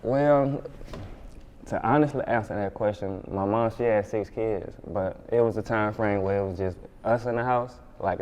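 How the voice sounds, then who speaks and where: A man's voice: on the low side, a little mellow, lo-fi sound. A man from Alabama with a Southern Black accent, chatting casually and informally as an interview guest, often saying "like" and circling back over his words. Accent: Southern Black American, Alabama. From Montgomery, Alabama, USA. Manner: informal, repetitive, says 'like' often.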